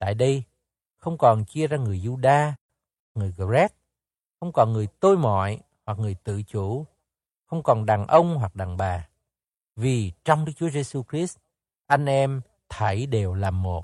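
A man talks at a very slow pace and medium pitch, with long, frequent pauses and lively intonation. His voice is somewhat breathy, with a dry, close sound with no echo and a quiet background. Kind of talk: scripture audiobook reading. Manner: formal, measured, solemn; steady, even pace.

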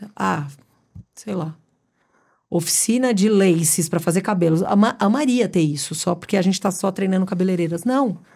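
Long, frequent pauses break up a dark, mellow voice in a very clean recording with a silent background. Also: woman, medium pitch for a woman, ordinary pitch variation, moderate pace. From São Paulo, Brazil. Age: 40s. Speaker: entrepreneur and DJ. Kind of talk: casual chat.

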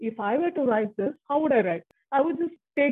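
A woman talks with a moderate pace. The pitch of her voice rises and falls very widely. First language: Tamil. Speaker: author and translator. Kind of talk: interview.

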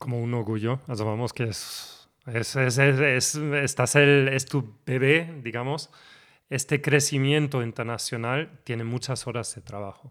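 A man with a German accent at medium pitch, very slow in pace and fairly even in intonation, on a very clean recording with a silent background. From Germany, Hamburg. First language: German (speaking Spanish). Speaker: entrepreneur. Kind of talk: interview.

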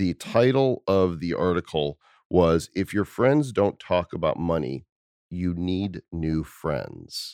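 A man's very deep, low voice at a very slow pace, lively in intonation, dry and close with no echo. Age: 50s. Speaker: podcast host. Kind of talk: casual interview. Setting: guest's home office.

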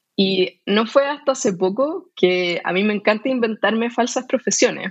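A woman speaks at a moderate pace. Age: 30s. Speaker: visual translator and illustrator, business owner. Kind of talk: casual interview conversation. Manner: animated.

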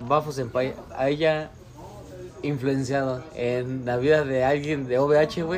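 Very slow speech from a man, fairly high in pitch with fairly even intonation, against noticeable background noise. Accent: Mexican. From Mexico. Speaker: podcast co-host. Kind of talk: casual chat.

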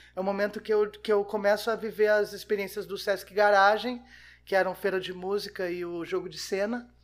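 Here a woman speaks at a medium pitch. Her pace is fairly quick. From Brasília, Brazil. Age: 40s. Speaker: theater actress and clown. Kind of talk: casual interview.

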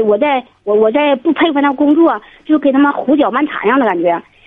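A woman at a fairly quick pace. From northeast China. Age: 40s. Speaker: caller. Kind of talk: phone-in conversation. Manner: hurried.

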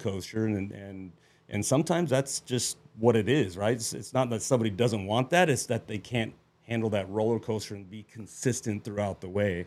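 On a very clean recording with a silent background, an unremarkable speaking voice goes at a fairly quick pace, its pitch varying in an ordinary way. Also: man. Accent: American. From Arizona (Coolidge, Gilbert). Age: 40s. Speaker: real estate investor and builder. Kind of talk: casual chat.

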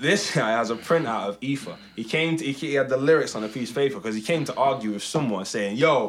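A man with a medium-pitched voice talks with lively intonation. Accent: Nottingham. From Nottingham, England. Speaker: rapper. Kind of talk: casual chat. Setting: studio.

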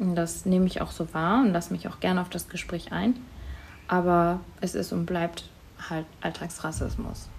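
A woman speaks in a fairly low, somewhat breathy voice. She keeps a moderate pace and ordinary pitch variation. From Germany (Friesland area), Sri Lankan Tamil parents. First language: Tamil (speaking German). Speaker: school teacher. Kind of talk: interview. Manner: frequent filler sounds (ähm).

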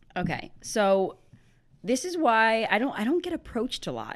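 In a very clean recording with a silent background, a woman at medium pitch speaks with vocal fry. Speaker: podcast co-host and business owner. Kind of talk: casual chat. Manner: fast talker.

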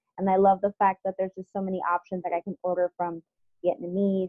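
A woman's medium-pitched voice with an American accent, music playing in the background. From South Florida. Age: 30s. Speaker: PR agency founder. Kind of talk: casual interview. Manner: animated.

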